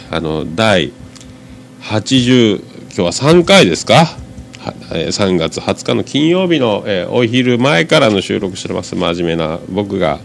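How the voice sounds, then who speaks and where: A man's voice: on the low side, vocal fry, a little hiss or hum. A man with a Fukuoka accent and a nasal, stuffed-up voice from a cold, hosting a podcast in casual, rambling talk. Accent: Fukuoka Japanese. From Fukuoka, Japan. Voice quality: nasal, congested voice. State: has a cold. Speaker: podcast host.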